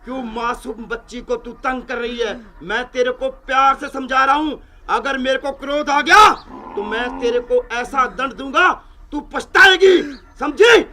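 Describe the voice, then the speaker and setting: An actor playing a pompous exorcist who thunders threats at an evil spirit in a blustering, theatrical way. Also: male voice, very high voice, measured pace, sharp tone, heavily acted.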